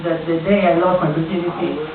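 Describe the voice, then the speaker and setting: Colombian man doing halting stand-up. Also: on the high side, fairly even intonation, vocal fry, crowd noise. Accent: Colombian Spanish. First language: Spanish. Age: 40s. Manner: halting, searching for words, many restarts. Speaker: stand-up comedian. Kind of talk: stand-up comedy set. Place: small comedy club. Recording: echoey tinny club recording from far off. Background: audience laughter.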